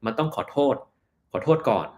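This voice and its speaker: A man's voice: a little fast, darkish tone. A man, a doctor from Thailand, answering viewers' health questions in a casual live stream, blunt and offhand. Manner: blunt, offhand, sometimes mocking in quoted asides.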